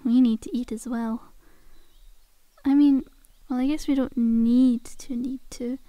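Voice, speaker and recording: A woman's voice: sits high, fairly even intonation, unhurried, mellow, no echo. A woman playing a friendly, sly zombie girl in an ASMR roleplay, coaxing a survivor in a chummy, casual, faux-innocent way. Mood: cajoling.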